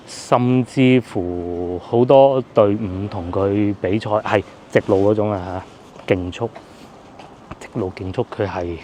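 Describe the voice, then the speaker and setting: A man's voice: fairly low pitch, a little mellow, a little hiss or hum. A man with a Cantonese accent giving rambling, casual vlog narration while riding through streets outdoors. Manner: chatty, rambling with fillers. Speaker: food vlogger.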